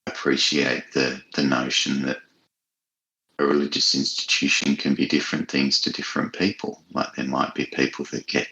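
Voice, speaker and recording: A man being interviewed as an author, speaking in a thoughtful, measured and hesitant conversational way. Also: very deep voice, monotone, sharp tone, poor audio.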